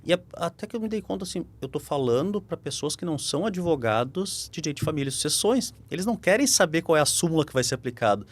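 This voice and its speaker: A man with a Brazilian Portuguese accent, speaking as an interview guest. His voice sits somewhat high for a man. He talks in a measured, reflective way and agrees softly with his host. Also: expressive. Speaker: guest lawyer. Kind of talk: conversational interview.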